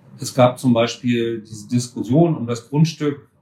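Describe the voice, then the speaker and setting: Slightly breathy, a man speaks at medium pitch with ordinary pitch variation. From Westphalia, Germany (Gütersloh). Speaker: master baker and bakery manager. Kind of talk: casual interview. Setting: office above a bakery.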